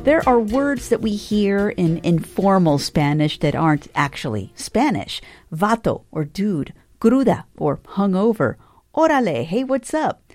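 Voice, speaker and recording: A woman hosting a public radio program, with a measured, clear delivery. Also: medium pitch, big pitch swings, a little mellow, faint music behind. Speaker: radio host.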